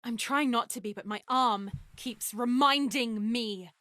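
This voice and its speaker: A woman's voice: on the high side, a little slow, no echo. A guarded, bitter young woman. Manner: sharp, guarded, flares into shouting. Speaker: game character. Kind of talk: video game voice acting.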